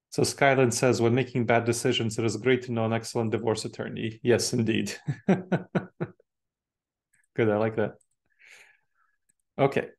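Man, 40s, eastern european accent, online talk, chatty, middle pitch, video call from a home office. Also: fairly even intonation, a little slow, long pauses. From Moldova. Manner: chatty, engaged with a live chat, laughs easily. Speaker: speaker. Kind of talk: online presentation to professionals. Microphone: webcam video call with earbuds.

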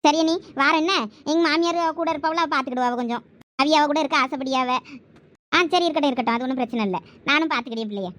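High-voiced woman with Thoothukudi Tamil accent. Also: quick pace, a bit bright. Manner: bickering, domestic back-and-forth. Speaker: village comedy skit actor. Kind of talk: village comedy skit dialogue.

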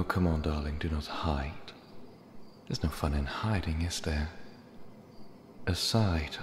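A man playing a possessive, menacing cat demon in an ASMR roleplay, taunting with mock affection. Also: a bass voice. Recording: echoey hall reverb, clear background noise. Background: ambient sound effects.

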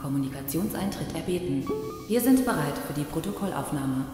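A woman's voice: low voice, animated, a little fast. A woman playing a principled archive machine, the moral authority of its swarm, speaking formally and admonishingly in a science fiction radio play. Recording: heavy echo and reverb, faint music.

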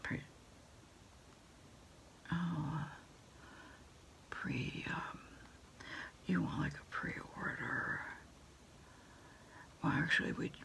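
Woman whispering slowly, gravelly ASMR phone roleplay. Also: low voice. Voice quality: whispery, breathy, mostly unvoiced. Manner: hesitant, soft-spoken, halting with pauses. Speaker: ASMR roleplayer acting as food delivery order taker. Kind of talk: quiet ASMR roleplay, one-sided phone call. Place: small dim desk corner indoors.

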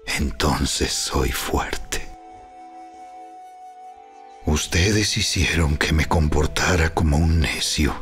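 In a dramatized reading of scripture, a man plays a sincere, humble apostle, narrating in a solemn, measured, booming biblical style.

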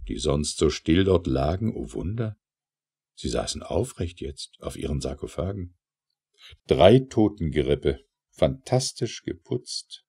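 Male audiobook narrator for satirical verse: low, creaky voice, declamatory and theatrical delivery. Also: a little mellow. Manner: theatrical, declamatory, measured phrasing with pauses. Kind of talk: dramatic recitation of satirical verse.

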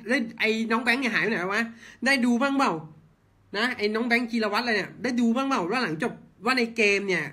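A man's voice: very high voice, expressive, fast talker, sharp tone. A man ranting blunt football commentary, heated and swearing, firing off rhetorical questions. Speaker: football fan channel host.

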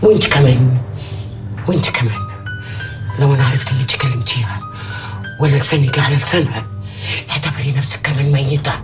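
A woman's voice: rumbling low, quick pace, pauses often. Stern grieving mother. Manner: commanding, harsh. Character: stern grieving mother disowning her daughter. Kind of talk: TV drama acting. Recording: music score behind.

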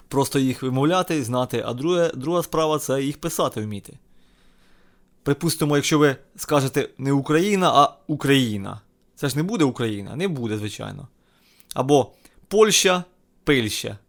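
A man with a Ukrainian accent teaching an English lesson, patiently repeating each word twice for students to say aloud. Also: medium pitch. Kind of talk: language lesson, repeat-after-me drill.

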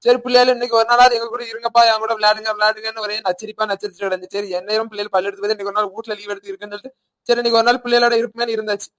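A man voicing an idle village husband in debt, talking fast and defensively with a Tirunelveli Tamil accent, in an animated cartoon. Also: high-pitched, no room sound.

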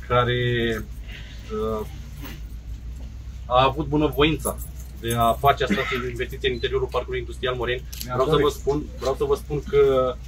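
A man's voice: medium pitch, a bit bright, recorded from a distance, a little hiss or hum, rough recording. A man in his forties, an industrial park director, giving a hesitant press statement full of fillers at an outdoor event. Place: outdoor tent at a ceremony.

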